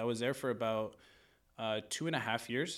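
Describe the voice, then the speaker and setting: This man talks at a medium pitch with fairly even intonation and an unremarkable speaking voice. The recording is very clean, with a silent background. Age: 20s. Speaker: videographer. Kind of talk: casual chat.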